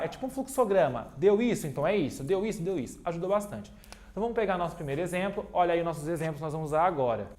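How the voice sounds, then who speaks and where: Joking chemistry teacher. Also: male voice, sits high, a little mellow. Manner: playful, cracks jokes and teases himself between explanations; repeats key points step by step, addresses students directly. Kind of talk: online video lesson at a digital whiteboard.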